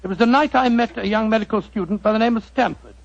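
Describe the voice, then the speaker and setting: An actor playing a genial elderly doctor who tells the story, with a bumbling, chummy manner, in a 1940s radio drama. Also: male voice, sits high, fast talker, creaky. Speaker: narrator of the tale. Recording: dull 1940s radio broadcast.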